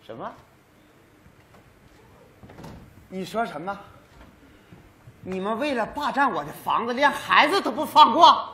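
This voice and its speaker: Stubborn indignant old dad. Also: male voice, very high voice, big pitch swings, normal speed, pushed and bright, heavily acted. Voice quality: grumbling, sarcastic. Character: stubborn old widowed father, touchy and indignant. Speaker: sketch actor. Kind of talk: stage comedy sketch. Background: audience laughter.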